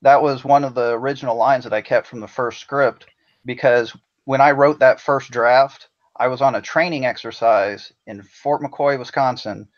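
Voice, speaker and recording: A man's voice: mid-range voice, fairly even intonation, moderate pace, highs cut off. A man in his thirties, a serving soldier and the writer of the story, chatting casually and frankly with a lot of laughter. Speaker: writer of the drama. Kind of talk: casual podcast chat.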